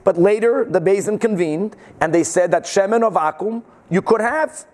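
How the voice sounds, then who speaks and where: A man's voice: high-pitched, moderate pace, darkish tone. A man giving an informal religious lecture as a teacher, emphatic and explanatory, mixing in Hebrew and Yiddish terms. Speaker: Talmud teacher.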